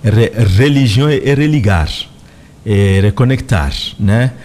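A middle-aged man from Congo with a Congolese accent, giving measured, reflective answers as a guest in a radio studio. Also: mid-range voice, darkish tone. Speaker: representative of a spiritual organization, guest. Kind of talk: interview answers. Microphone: studio microphone close in front.

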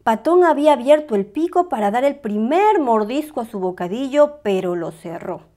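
A woman reading a picture book aloud as a storyteller, with expressive, dramatized narration for small children. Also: a little high, moderate pace.

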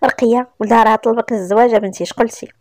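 A woman's voice: a little high, steady tone, racing, warm tone, no room sound, clean studio sound, lightly acted. A woman voicing an older mother who speaks fondly and coaxingly in a read-aloud story. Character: warm older mother figure.

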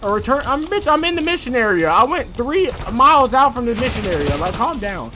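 A young man streaming a shooter game on a headset, loud, excitable and profane in his commentary. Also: very high voice, fairly quick, noisy background. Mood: excited. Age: young adult. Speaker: gaming streamer. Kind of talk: casual gameplay commentary.

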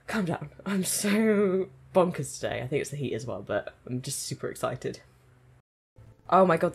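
A woman talks into her own microphone, reacting to a show. Her voice sits on the low side and is husky and breathy. It swings widely up and down as she gushes with excitable fangirl energy. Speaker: anime reaction channel host. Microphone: own desk microphone.

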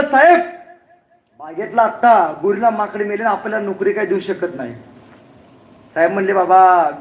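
A man with a Marathi accent giving an impassioned public lecture. He tells stories dramatically, swinging between loud declaiming and low, hushed lines. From Maharashtra, India. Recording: roomy hall with faint ambience.

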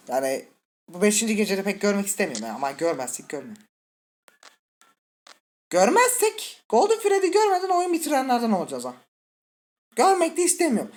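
A man's voice: very high voice, a little mellow. A man hosting a gaming channel, giving let's-play commentary while he plays a horror game, jittery and scared, muttering curses and talking straight to his viewers. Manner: talks directly to viewers.

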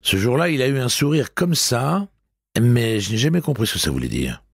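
A man's voice: medium pitch, sing-song, a little fast, vocal fry, breathy edge, no echo, clean studio sound, pitched above the performer's own voice, heavily acted. A man voicing a nervous, polite male hotel receptionist in an audiobook. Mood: deferential.

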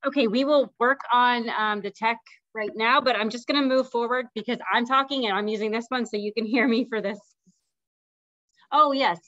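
A woman's voice: on the high side, steady tone, normal speed, fairly bright tone, dry recording. A woman facilitating a committee meeting, moving between informal remarks and procedural reading. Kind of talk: procedural meeting talk, partly read out. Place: meeting room, hybrid video call. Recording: dull, muffled meeting audio.

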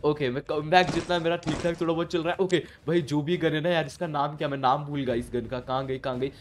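A young man with a sore throat, commentating his own gameplay in Hindi-accented speech, yelping when surprised and otherwise keeping his voice low. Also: fast, slight background noise. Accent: Indian Hindi. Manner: excitable, yelps loudly when surprised, speaks softly to spare his throat. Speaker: gaming YouTuber. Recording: game music and gunfire behind.

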